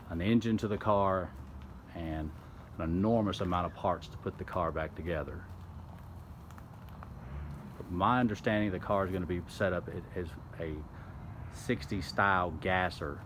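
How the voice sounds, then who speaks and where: Deep-voiced man narrating a car walkaround. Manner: off-the-cuff, rambling with restarts. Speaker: car video host. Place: outdoors beside a house. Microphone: handheld camera, speaker off screen. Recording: outdoor video with clear background noise.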